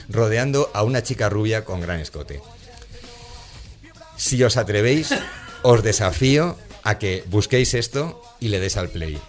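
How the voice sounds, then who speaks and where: A low-pitched man with a Spain Spanish accent hosts a comedy show with a sarcastic, mocking tone. He often breaks into laughter as he talks, with faint music in the background. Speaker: radio podcast host.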